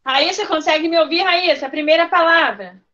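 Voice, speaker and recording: Woman teacher, high voice, patient prompting of small kids in an online class, dull lo-fi call audio. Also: brisk, pushed and bright. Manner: coaxing, prompting pupils by name. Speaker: first-grade teacher. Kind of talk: online class with young children. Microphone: video call.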